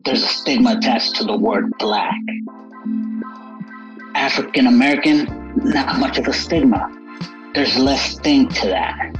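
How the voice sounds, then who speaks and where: A man's voice: mid-range voice, animated, measured pace, pauses often. Frank new york guy on a podcast, mid voice, kinda muffled lo-fi with music behind. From New York City. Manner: earnest, frank, emphatic. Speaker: interview guest. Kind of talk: candid conversation. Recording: dull lo-fi audio with music behind.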